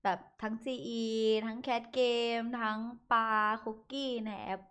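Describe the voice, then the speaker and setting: A woman's voice: fairly high pitch, little pitch movement, slow pace, smooth. Giggly young woman streaming live. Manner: chatty, giggly, reads comments aloud. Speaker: livestream host reading chat. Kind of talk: casual livestream chat.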